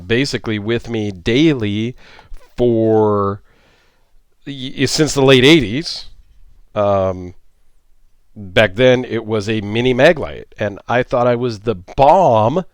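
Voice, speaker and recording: A middle-aged man talks through a gear review in a friendly, rambling way, full of fillers and restarts. His pitch is average for a man. The sound is dry and close, with no room echo. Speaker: YouTube reviewer. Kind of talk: casual product review.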